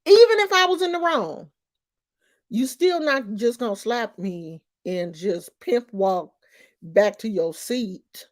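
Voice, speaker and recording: Slow-talking emphatic woman in her fifties. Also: fairly high pitch, expressive. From Oakland, California. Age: 50s. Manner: emphatic, streetwise storytelling. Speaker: vlogger. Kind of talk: casual commentary vlog.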